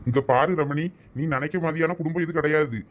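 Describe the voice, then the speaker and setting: A man's voice: on the high side, brisk, natural voice. A man with a Thoothukudi Tamil accent playing a firm middle-aged husband who lectures his wife. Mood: stern. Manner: stern, lecturing. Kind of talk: village comedy skit acting.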